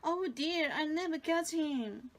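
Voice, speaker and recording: A woman's voice: sits high, takes it slowly, voice pushed up. A woman with a Korean accent voicing an eager, polite little girl from a storybook. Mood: dismayed.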